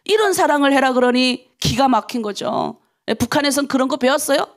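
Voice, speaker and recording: High gravelly-voiced woman pastor preaching. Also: animated, brisk. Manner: emphatic, personal storytelling with rhetorical questions. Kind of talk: dawn prayer sermon.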